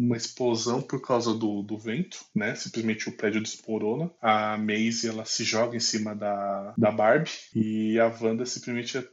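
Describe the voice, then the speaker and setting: A man co-hosting a casual podcast about a comic book, animatedly retelling its scenes. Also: on the low side. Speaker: podcast co-host. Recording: slightly dull lo-fi audio.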